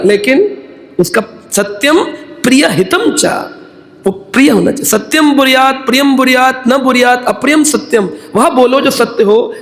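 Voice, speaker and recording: High-voiced man giving a devotional talk. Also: a bit bright, echoey room. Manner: chants verses slowly, then explains with playful everyday anecdotes. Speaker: spiritual speaker. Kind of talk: devotional discourse with humorous examples.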